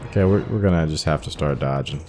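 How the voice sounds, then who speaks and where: Low-voiced man doing casual game commentary. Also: quick pace, a little mellow, soft background music. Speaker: gaming channel host. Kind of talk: casual live playthrough commentary.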